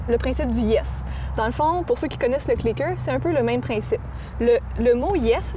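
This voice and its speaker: A woman's voice: on the high side, echoey room, in a large hall, background noise. A woman dog trainer with a Québécois French accent, patiently explaining training methods with everyday examples in an interview.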